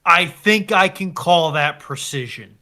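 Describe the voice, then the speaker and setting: A man's voice: fairly high pitch, a little slow, bright, forceful tone. A man on a panel chatting casually about a specialist subject. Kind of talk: casual chat.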